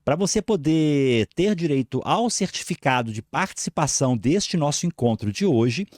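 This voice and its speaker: A man's voice: fairly high pitch, lively intonation, normal speed, a little mellow, no echo, studio quality. A man with a Brazilian accent hosting a live online show, giving announcements and introducing a guest.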